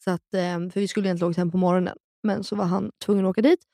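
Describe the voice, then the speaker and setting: A woman's voice: fairly low pitch, no echo, clean studio sound. A young woman co-hosting a podcast, chatting candidly and acting out what others said as she tells stories. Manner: animated storytelling, acting out quotes. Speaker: podcast co-host. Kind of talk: candid casual chat.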